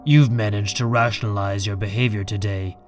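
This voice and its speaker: Man playing a low-voiced, coldly defiant man. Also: fairly even intonation, fairly quick, lightly acted. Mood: cold, sardonic. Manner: sardonic, controlled, cutting. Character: proud, defiant, coldly angry man facing his enemy. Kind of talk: audio drama acting.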